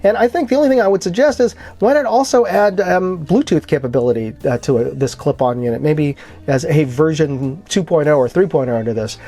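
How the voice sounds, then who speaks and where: A man's voice: fairly high pitch, fairly quick, dark tone. A man hosting a casual product review, explaining things informally with colloquial phrases as he demonstrates gear. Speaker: product reviewer and channel host.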